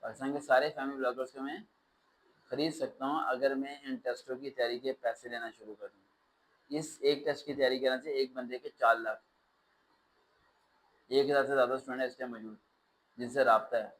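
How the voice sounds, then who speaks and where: A man teaching a test-prep class, lecturing in an animated way with sarcastic, ranting asides. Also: medium pitch, a little fast, rough recording.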